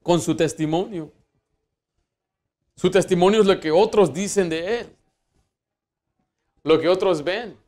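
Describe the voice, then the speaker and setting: A man's voice: high voice, unhurried, pauses often, a little mellow. A man, a pastor preaching a sermon in church and putting earnest rhetorical questions to his congregation. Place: church sanctuary.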